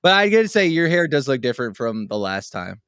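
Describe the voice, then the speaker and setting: A man's voice: mid-range voice, big pitch swings, brisk, fairly bright tone, clean tone, dry recording. A man co-hosting a comedic podcast chat with a robotic, metallic-sounding voice and a hammy, showman-style delivery. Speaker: co-host.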